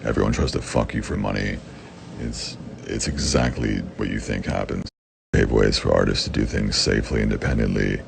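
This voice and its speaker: A young man with a very deep, raspy voice, answering fan questions in blunt, profane casual talk. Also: fairly even intonation, normal speed. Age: young adult. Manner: blunt and profane, with frequent swearing. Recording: background noise.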